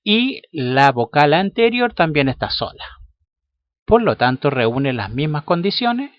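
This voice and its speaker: A man's voice: on the high side, big pitch swings, no echo, dull audio. A man teaching a lesson, explaining patiently and often checking in with his students. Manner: slow, patient, checks in with "¿cierto?" and "¿ya?". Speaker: English teacher.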